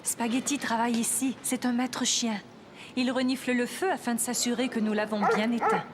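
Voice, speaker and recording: A woman voicing a kind, upbeat firefighter in a children's cartoon, with loud music behind her. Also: on the high side, normal speed, close to an everyday voice. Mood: cheerful.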